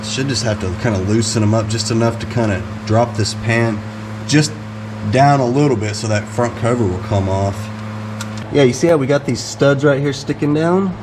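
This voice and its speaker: Loud fan noise from a fan running in the hot space around a truck backs this recording. The speaker, a middle-aged American man who vlogs as a DIY mechanic, casually talks through a hands-on repair in a folksy, conversational manner, with a medium-pitched voice at a moderate pace.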